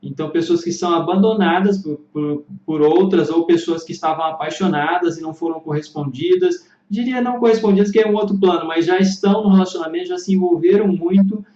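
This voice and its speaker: A man's voice: sits high, brisk, few pauses, warm tone. A man speaking as a psychotherapist in a reflective explanatory monologue, thoughtful and searching for words with frequent restarts. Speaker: psychotherapist vlogger. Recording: roomy, dull lo-fi sound.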